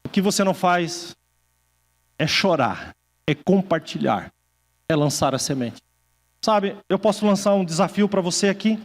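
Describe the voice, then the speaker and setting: A male pastor preaching a sermon, telling stories, acting out quoted voices and slowing down for emphasis. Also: sits high, lively intonation, in a large hall. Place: church hall.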